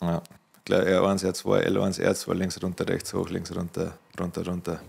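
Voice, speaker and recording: In a monotone with flat intonation, a man speaks at a very deep, low pitch. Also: moderate pace. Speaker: podcast host. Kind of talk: casual podcast conversation.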